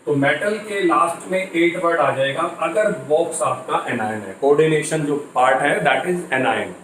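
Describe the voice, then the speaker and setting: A man lectures on chemistry, walking through each step and posing questions that he then answers himself. His voice sits a bit high for a man. He is recorded from a distance in an echoey room, with faint ambience behind him. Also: unhurried, a bit bright, slight background noise. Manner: explanatory, asks and answers his own questions. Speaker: chemistry teacher. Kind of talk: classroom lecture mixing Hindi and English.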